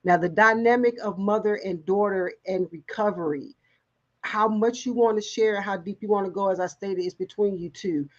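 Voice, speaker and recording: A woman's voice: mid-range voice, normal speed, lo-fi sound. Rambling female interview host. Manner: warm encouraging questions, rambling restarts. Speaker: talk show host. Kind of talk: interview in recovery show.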